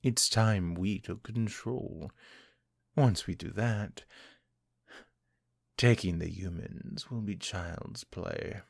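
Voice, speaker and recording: An actor playing a cruel, centuries-old vampire lord who taunts his captive, speaking in a husky, condescending way. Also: low-pitched, dry recording, studio quality, full character voice. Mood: contemptuous. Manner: taunting, condescending, slow and deliberate. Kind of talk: audio drama, one-sided dialogue.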